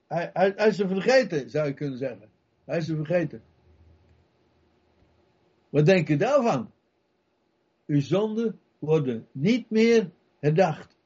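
A male preacher with a husky, mellow voice that sits fairly high for a man. He preaches fervently and piles up repeated rhetorical questions. The recording is dull and lo-fi. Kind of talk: sermon.

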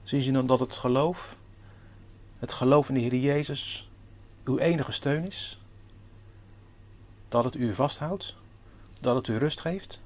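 Ernstige mannelijke predikant. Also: male voice, mid-range voice, a little slow, pauses often, darkish tone. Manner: earnest, addresses the congregation directly with questions; reads scripture in old-fashioned formal Dutch. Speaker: preacher. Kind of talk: sermon with Bible reading.

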